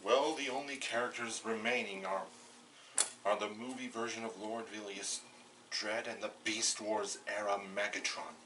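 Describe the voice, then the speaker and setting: A man's voice: lowish voice, fairly even intonation, moderate pace, lightly acted. A man voicing a matter-of-fact planner in an amateur fan cartoon, explaining things hesitantly and repeating words. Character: matter-of-fact male planner explaining film casting decisions. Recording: slightly distant mic, faint background noise.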